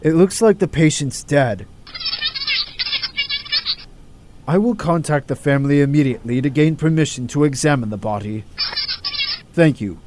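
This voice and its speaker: A man playing an earnest, troubled hospital doctor in an amateur audio drama, speaking in a deliberate, halting, dramatic way. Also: a little high, background noise, lightly acted. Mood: sombre, businesslike.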